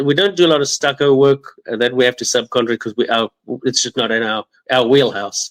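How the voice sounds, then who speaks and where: Very fast speech in a South African accent, dry and close with no echo. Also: man. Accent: South African accent, noticeable. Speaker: home improvement business owner. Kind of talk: podcast interview. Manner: hesitant, with fillers and repetitions.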